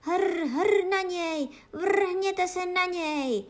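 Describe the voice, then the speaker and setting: An excitable male guard dog from a storybook, acted out by a woman in a high voice. He is fierce and eager, firing off short, repeated exclamations. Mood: ferocious, shouting. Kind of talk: children's fairy tale reading.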